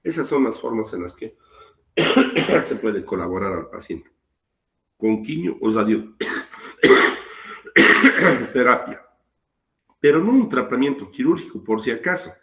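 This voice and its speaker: A man giving an online surgery lecture with a sore throat, coughing and explaining slowly with pauses over a video call. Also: medium pitch, sing-song, sharp tone. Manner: slow, repetitive explaining with pauses. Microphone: computer mic on a video call. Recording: roomy video call audio.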